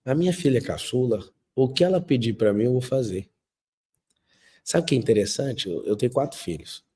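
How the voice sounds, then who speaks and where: A man from Brazil giving an emphatic, faith-tinged motivational talk, acting out quotes and moving between loud and soft passages. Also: mid-range voice, animated, fairly quick, breathy edge. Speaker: speaker of a motivational talk show. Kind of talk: motivational talk with faith themes and family stories.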